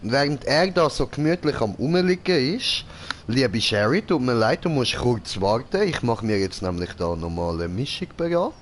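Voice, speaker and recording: A man's voice: medium pitch, animated, moderate pace, a little hiss or hum. A man with a Swiss German accent giving casual, joking gameplay commentary and talking back at the game character. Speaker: let's play host.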